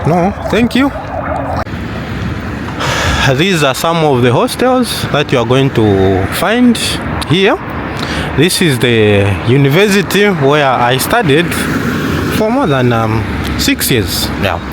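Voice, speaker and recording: A man's voice: a little high, big pitch swings, slow. A young man from Zambia, giving a casual walking tour of a campus to his viewers. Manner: chatty guide addressing viewers directly. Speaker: vlogger touring a campus. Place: outdoors on a city street and campus. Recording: loud outdoor wind and traffic noise.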